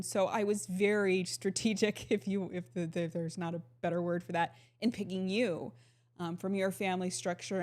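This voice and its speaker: A woman in her forties co-hosting a family podcast, speaking earnestly and personally. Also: medium pitch. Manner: earnest, personal, with small laughs. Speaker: podcast co-host. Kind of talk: casual conversational talk.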